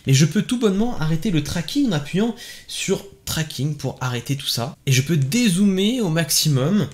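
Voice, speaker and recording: This is a man with a somewhat high-pitched voice doing a casual product review at home. He talks in a chatty, enthusiastic way, dropping little fillers between thoughts. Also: expressive, normal speed. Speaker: tech reviewer. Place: home desk setup with LED lights behind him.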